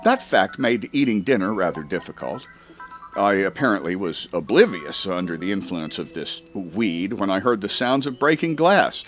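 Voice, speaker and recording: A man reading a comic first-person story as an audiobook, with dramatic emphasis and drawn-out words. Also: low-pitched, big pitch swings, soft background music. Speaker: audiobook reader.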